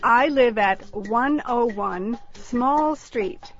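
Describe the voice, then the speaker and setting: A woman repeating lesson phrases with slow, careful enunciation. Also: on the high side. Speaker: drill speaker in language lesson. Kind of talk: slow repetition drill. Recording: dull recording with faint music.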